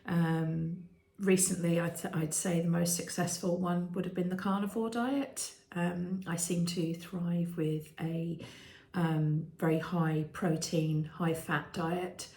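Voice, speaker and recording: A British woman in her fifties, vlogging candidly with many ums and restarts and a voice that turns croaky at times. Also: on the low side, steady tone, takes it slowly, dark tone. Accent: British English. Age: 50s. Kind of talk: candid personal vlog. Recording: echoey room.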